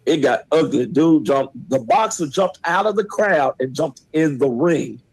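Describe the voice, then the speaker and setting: Man, fairly high voice, casual storyteller, slangy, boastful, animated, dry close sound, show caller. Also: unhurried, husky, no echo, low-quality recording. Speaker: caller to the show, a ring announcer. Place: on a call to a show.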